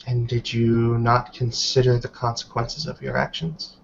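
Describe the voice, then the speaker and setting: A man's voice: mid-range voice, flat delivery, vocal fry. Man playing a stern, formal tribal grandmother, dull audio. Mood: probing. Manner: formal, deliberate, halting phrasing. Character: stern elderly tribal matriarch sitting in judgement, measured. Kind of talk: tabletop roleplay in character. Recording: dull online call with background noise.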